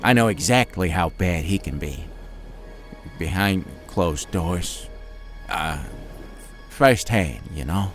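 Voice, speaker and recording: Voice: deep voice, expressive, slow pace, long pauses, soft background music. A performer acting a cocky, wisecracking, streetwise male demon in a fan audio drama, with a theatrical, slangy manner. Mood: bitter, guarded.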